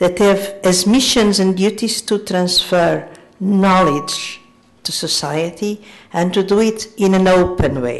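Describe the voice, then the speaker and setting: Her speech is very slow, at a medium pitch for a woman. Audible room echo colors the recording. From Portugal. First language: Portuguese. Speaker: university association president. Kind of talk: conference speech.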